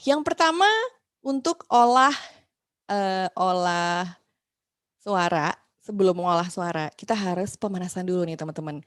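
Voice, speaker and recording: A woman leads an online voice workshop, chatting with her listeners as friends and acting out the complaints she quotes. Her voice sits at a middle pitch. The sound is dry and close, with no room echo. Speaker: voice and podcasting workshop instructor. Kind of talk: casual online class teaching.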